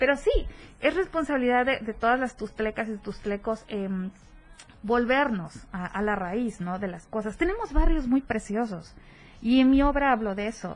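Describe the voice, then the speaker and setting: A woman's fairly high, plain, everyday voice at a moderate pace, with lively intonation. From Tuxtla Gutiérrez, Chiapas, Mexico. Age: 30s. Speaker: visual artist and cultural promoter. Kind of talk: radio interview.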